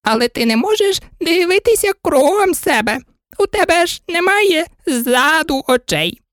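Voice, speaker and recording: A woman's voice: extremely high pitch, expressive, a little slow, fairly bright tone, dry recording, clean studio sound, voice pushed up, heavily acted. A woman voicing a prim, pedantic sheep who keeps a shop and knits. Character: prim knitting sheep shopkeeper.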